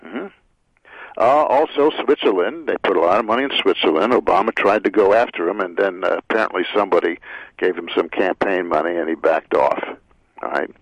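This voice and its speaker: A man's voice: deep voice, dry recording. Guy rambling on the radio, lots of uhs, dull dry sound. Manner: halting, many filler "uh"s, rambling; heated and cynical about politicians. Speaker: author and radio commentator. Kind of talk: unscripted radio commentary. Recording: dry muffled radio audio.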